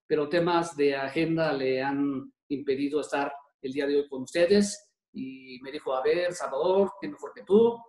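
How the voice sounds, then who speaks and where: A man's voice: on the high side, a little mellow, roomy sound, rough recording. A man, presenting formally with many hesitant fillers. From Mexico. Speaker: government official presenting.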